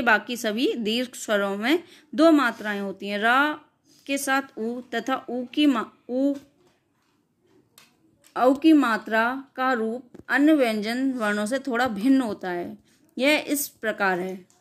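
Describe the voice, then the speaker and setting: Woman teacher reading out grammar notes. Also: a little high. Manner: reads out definitions, then re-explains them in loose spoken asides; frequent self-corrections and "sorry". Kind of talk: exam-prep grammar lesson.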